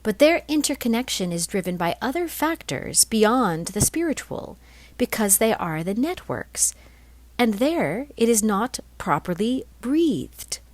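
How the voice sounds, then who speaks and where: A woman reading a spiritual text aloud as scripted narration, in measured phrases with deliberate pauses. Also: a little high, very animated, no room sound. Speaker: reader of a spiritual blog.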